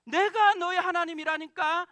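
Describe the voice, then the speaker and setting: A man's voice: extremely high pitch, steady tone, moderate pace, bright, forceful tone, dry recording, studio quality, voice pushed up. A man preaching, voicing God as a tender, reassuring divine presence who insists he is near. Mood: tender, urgent.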